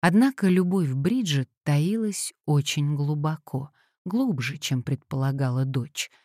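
A woman narrating a literary audiobook in a measured, even reading style. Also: sits low, no echo, clean studio sound. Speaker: audiobook reader.

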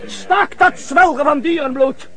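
A man's voice: very high-pitched, unhurried, sharp tone, exaggerated voice. A man playing a stern, commanding biblical king in a radio play, imperious and declamatory.

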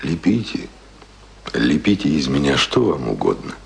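An actor in a radio play playing an earnest, passionate young self-taught would-be writer, speaking ardently and poetically. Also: male voice, extremely low pitch, very animated, normal speed, vocal fry, full character voice. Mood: eager, devoted.

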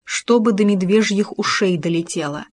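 A woman narrating a children's story in a calm, even storytelling manner. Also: medium pitch, normal speed. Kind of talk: audiobook story reading.

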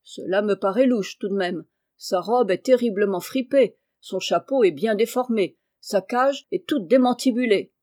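Storybook official, wary and firm, read by a woman, warm dark tone. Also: mid-range voice, normal speed, few pauses, no echo, studio quality, close to an everyday voice. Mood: suspicious. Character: suspicious male railway employee.

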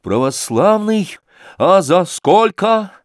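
A man's voice: mid-range voice, sing-song, drawn-out words, a little mellow, dry recording, clean studio sound. A man voicing a small comic fiddler who speaks weightily and with command. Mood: mocking.

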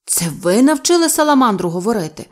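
A woman's voice: a little high, sing-song, fast, pitched above the performer's own voice. A woman voicing a stern, brusque male zoo director who raises his voice. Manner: stern, shouting.

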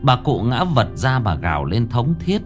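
With music playing behind him, a man tells a ghost story in a dramatic, expressive way. His voice is mid-range and his pace is normal.

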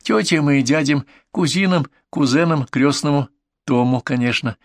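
A man reading a story aloud in a measured, even way. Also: a little high, dry recording, studio quality. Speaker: audiobook narrator. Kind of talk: scripted narration.

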